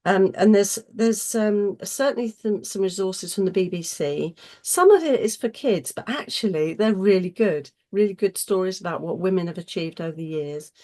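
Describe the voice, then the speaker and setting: Husky woman hosting a webinar. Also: medium pitch, moderate pace, few pauses, dark tone. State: getting over a cold. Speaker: host chairing an online webinar. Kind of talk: informal presenter's welcome and introductions.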